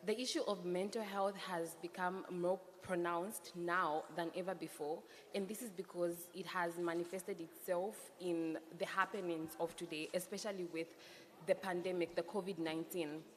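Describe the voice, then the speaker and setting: A woman's voice: on the low side, steady tone, normal speed. A young woman from Zambia moderating a youth panel discussion, speaking in an earnest, emphatic way and repeating her key points. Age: young adult. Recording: hall reverb with faint background noise.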